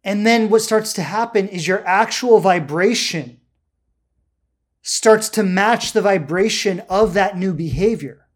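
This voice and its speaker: A spiritual self-help coach speaks off the cuff in a medium-pitched voice. The delivery is emphatic and deliberate, with key words stretched out and little rhetorical check-ins along the way. It is a motivational talk.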